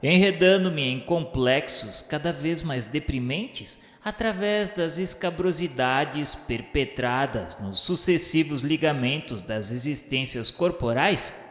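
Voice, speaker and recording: A man's voice: on the high side, lively intonation, fairly bright tone. A man with a Brazilian accent playing the remorseful spirit of a blind suicide from the nineteenth century, confessing in solemn, grandiloquent literary monologue for a radio drama. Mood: solemn, reflective. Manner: solemn, grandiloquent, slow declamation. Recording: echoey hall reverb, music underneath.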